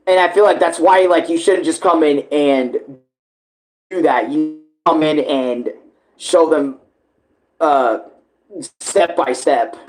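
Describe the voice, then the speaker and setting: Casual, higher-voiced man rambling in reaction. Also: takes it slowly, long pauses, a little mellow, rough recording. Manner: rambling, informal, often addressing others as bro or dude. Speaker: live reaction host. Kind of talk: casual reaction commentary with slang and swearing.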